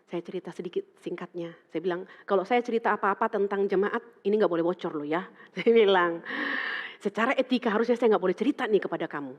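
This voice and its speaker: Animated woman preacher in a reverberant hall. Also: medium pitch, fast. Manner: animated, acts out dialogue in quoted voices. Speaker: pastor. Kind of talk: sermon with storytelling. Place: church hall. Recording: dull sound with long church reverb.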